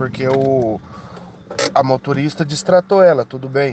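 Noticeable background noise surrounds the recording. A man speaks at a fairly slow pace. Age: 30s. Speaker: radio listener. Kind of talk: voice message to radio show. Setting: recorded audio message.

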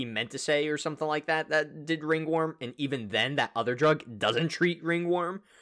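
In a very clean recording with a silent background, a man uses an ordinary speaking voice with ordinary pitch variation at a moderate pace. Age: 20s. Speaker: sports podcast co-host. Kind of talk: casual chat.

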